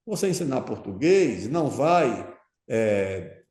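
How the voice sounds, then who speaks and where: A man's voice: mid-range voice, big pitch swings, slow pace, darkish tone. A man answering as an interview guest, explaining his views at length and emphatically, often checking in with his listener. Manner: emphatic, keeps checking in with "tá certo?". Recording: roomy echo.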